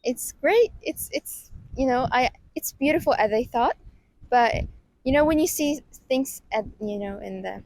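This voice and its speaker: A woman's voice: high-pitched, expressive, measured pace, a little mellow, no echo, poor audio. A woman, a student, answering eagerly and often saying "you know". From Egypt. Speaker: student, interviewee. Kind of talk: casual street interview.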